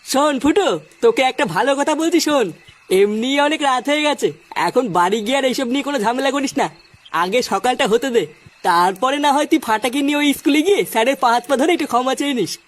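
A man's voice: extremely high pitch, quick pace. A man voicing a crude but sensible male friend in a comedy cartoon, admonishing and practical.

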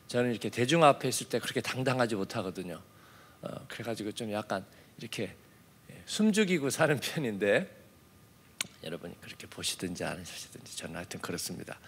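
In church, a pastor preaches an early-morning sermon conversationally, sprinkling in affirming fillers and shifting from soft asides to emphatic points. The man's voice is medium in pitch and slightly rough.

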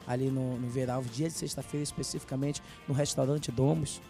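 A man's voice: mid-range voice, fairly even intonation, a little fast, creaky, warm tone, faint music behind. A man, a guest musician, chatting casually and gratefully on a live TV show about his career. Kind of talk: casual interview chat.

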